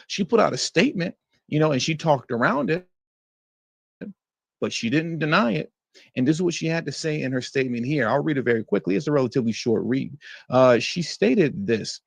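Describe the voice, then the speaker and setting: Gravelly, scornful male news commentator. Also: on the high side, dry recording. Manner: scornful, emphatic, mocking. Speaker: political commentary show host. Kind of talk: opinionated commentary reading news quotes.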